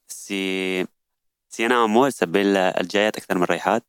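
Guy, native arabic speaker, talks fast, lowish voice, halting, dry sound. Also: steady tone, a bit bright, clean tone, dry recording. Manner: halting, many restarts, searching for words. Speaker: language learner sharing a word. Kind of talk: hesitant casual explaining.

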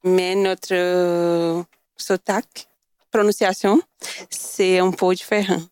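Woman, from Brazil, native Portuguese, very slow pace, lowish smooth voice. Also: flat delivery, darkish tone, no echo. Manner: slow, searching for words. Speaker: language learner. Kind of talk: casual sharing.

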